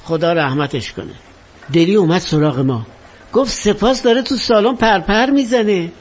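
A man's voice: high voice, lively intonation, slightly rough. An actor playing a vain, half-mad former star who talks grandly and bitterly about his fame. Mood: boastful reminiscing. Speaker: actor in a stage or film drama. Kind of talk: dramatic monologue acting.

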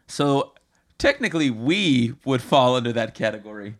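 A man's voice: medium pitch, big pitch swings, normal speed. Teasing male podcast co-host. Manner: teasing, quizzing with a list of slang. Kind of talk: casual chat.

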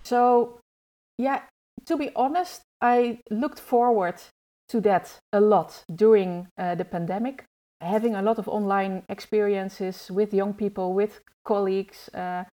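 A woman in her forties, a youth trainer speaking as a podcast guest, pausing often to find her words. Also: mid-range voice, fairly even intonation, dark tone. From Netherlands. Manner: hesitant, searching for words. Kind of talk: podcast conversation.

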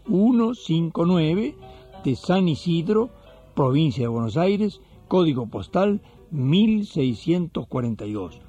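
A man's voice: a little high, dark tone, highs cut off. An Argentine man hosting a religious radio program and telling stories in a colloquial, folksy way. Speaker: radio host and storyteller. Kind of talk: warm religious radio address and storytelling.

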